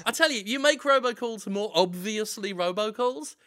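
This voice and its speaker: Male comic co-host, playful banter, very bright tone. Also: high-pitched, animated, normal speed. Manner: playful, joking, puts on silly voices. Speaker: podcast co-host. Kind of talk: comedic banter.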